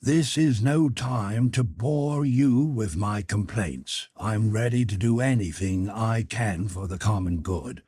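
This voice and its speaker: A man voicing a plainspoken, hardy whaler, eager to pitch in, in an audiobook. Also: slow, hardly any pauses, mellow, slightly rough, no echo, clean studio sound. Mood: earnest, willing. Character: tall, willing Canadian whaler, plainspoken and hardy. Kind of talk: audiobook character dialogue.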